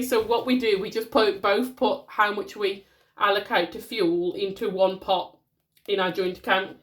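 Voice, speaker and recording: A woman in her thirties from the West Midlands with a Black Country accent, talking through her monthly budget at home in a chatty, rambling way, slightly nasal and congested from a cold. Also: on the high side. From West Midlands, England. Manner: chatty and rambling, with many ums and restarts. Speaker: budgeting vlogger. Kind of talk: casual chat to camera while handling a planner. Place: at home, at a desk.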